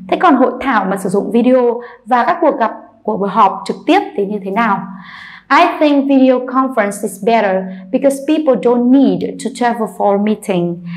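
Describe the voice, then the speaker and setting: A woman teacher with a Vietnamese accent giving an English lesson, explaining quickly and then reading words slowly for drilling. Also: a little high, a little mellow, poor audio. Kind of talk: bilingual classroom lesson.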